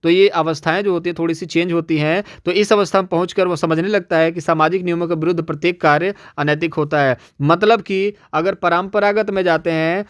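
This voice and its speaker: A man's voice: a little high, fairly even intonation, fairly quick, few pauses, clean tone. A man teaching an exam-prep lesson, explaining step by step and speaking directly to viewers, often restating points. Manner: repeats and rephrases, addresses viewers directly. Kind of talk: explanatory lecture.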